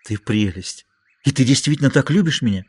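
A man voicing a fond, earnest young lover in an audiobook, speaking soft and low. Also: lively intonation, fairly quick, husky.

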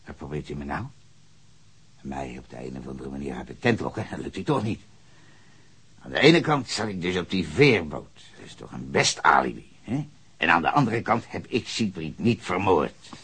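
Gruff drunken sea captain. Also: male voice, rumbling low, very animated, moderate pace, a bit bright, exaggerated voice. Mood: defiant. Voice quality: gruff, crude and blunt. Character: coarse hard-drinking male sea captain, bitter and defiant. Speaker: suspect being questioned. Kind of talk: radio drama acting.

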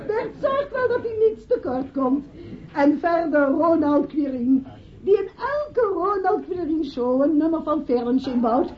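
A devoted, chatty hostess addresses party guests in a high, gushing voice. She halts and repeats herself as in an improvised toast. The radio-play recording sounds slightly muffled. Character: effusive hostess toasting her husband's birthday, devoted and chatty. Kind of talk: Dutch radio play acting.

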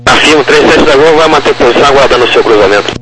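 A Brazilian man works as a ground controller, rattling off procedural instructions at speed. His mid-pitched voice comes through a radio transmission buried in loud noise. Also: racing. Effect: air traffic radio transmission. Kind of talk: rapid procedural air traffic instructions. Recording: very noisy air traffic radio.

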